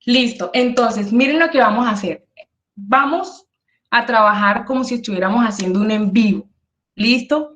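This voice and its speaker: A woman's voice: a little high, normal speed, fairly bright tone, roomy sound. A woman teaching an online workshop, speaking with energy and emphasis and often checking in with her listeners. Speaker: workshop instructor.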